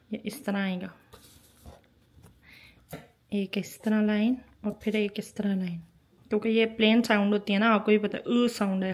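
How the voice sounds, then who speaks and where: A woman teaching a language lesson, patiently explaining and repeating each sound several times while she writes. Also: mid-range voice. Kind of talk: spoken lesson.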